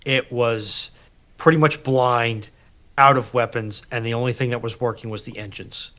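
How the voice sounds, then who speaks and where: A male panelist with a medium-pitched voice. He talks informally and argumentatively, raising objections as in a friendly-format debate. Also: fairly even intonation, moderate pace, fairly bright tone. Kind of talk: casual debate.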